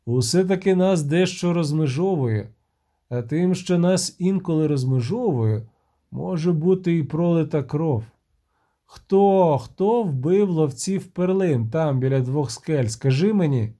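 Brief: curt dry monster hunter in a storybook, read by a man, mellow dark tone. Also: a little high, animated, measured pace. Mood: terse. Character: gruff terse male monster hunter.

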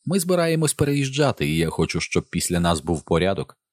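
A man voicing a quiet, composed mother who speaks in a flat, steady tone in an audiobook. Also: low-pitched, a little fast, no echo, studio quality. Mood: cold calm. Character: calm cold-voiced mother, flat and steady. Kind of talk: audiobook character voice.

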